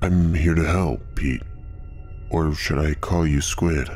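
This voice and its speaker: A man puts on a character voice and talks at a fairly slow pace. Background noise is clear throughout. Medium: read story. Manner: calm, hesitant.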